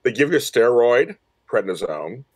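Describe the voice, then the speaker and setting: Man, mid-pitched voice, podcast guest, casual storytelling, emphatic, repeats phrases. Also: big pitch swings, normal speed, darkish tone, slightly rough. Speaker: podcast guest, audio drama producer. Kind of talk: personal storytelling in a casual interview.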